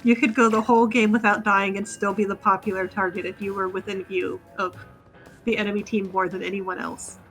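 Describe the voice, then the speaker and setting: A woman's voice: medium pitch, level tone, a little fast, fairly bright tone, soft background music. A woman streaming a game while patiently coaching a newcomer, giving instructions and laughing often. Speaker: experienced player coaching a newcomer. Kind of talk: casual game stream chat.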